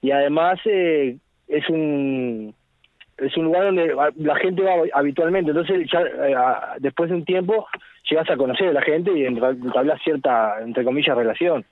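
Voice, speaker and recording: A man's voice: a little high, moderate pace, no room sound. A man calling in to a radio show over a patchy, choppy phone connection, telling wry anecdotes about his job in a casual, chatty way. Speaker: radio caller, bank teller. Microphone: telephone. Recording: dull lo-fi phone line, dry.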